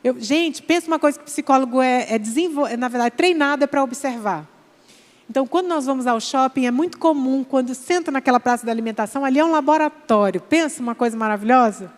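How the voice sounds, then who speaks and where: A Brazilian woman from Manaus preaches with animated, direct appeals to her congregation. Her voice sits high. The sound carries a long reverb from a large church hall. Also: fast talker. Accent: Brazilian Portuguese, Manaus. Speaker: psychologist, guest speaker. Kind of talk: church sermon.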